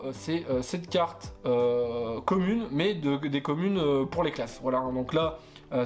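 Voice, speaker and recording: A man's voice: on the high side, a little mellow. A man casually chatting while opening trading card boosters, hesitant with many fillers and self-corrections, stumbling over English card names. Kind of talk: casual booster unboxing chat.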